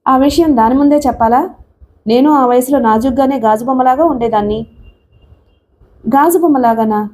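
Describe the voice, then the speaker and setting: Woman doing a jealous middle-aged wife, needling and accusing, mellow tone. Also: high-pitched, moderate pace, long pauses, slight background noise, natural voice. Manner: taunting, accusing.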